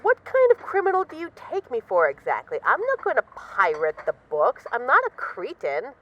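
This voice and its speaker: A woman's voice: on the high side, wildly swooping pitch, moderate pace, a bit bright, highs cut off, full character voice. A woman playing a self-assured, bored mafia boss in an intimate voice-message roleplay, wry, boastful and affectionately teasing her partner. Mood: affectionate, coaxing. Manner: wry, boastful, teasing, mock-indignant, swearing casually.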